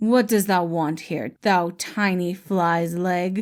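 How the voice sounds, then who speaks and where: In a very clean recording with a silent background, a woman puts on a booming character voice at a medium pitch and a very slow pace. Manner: scornful.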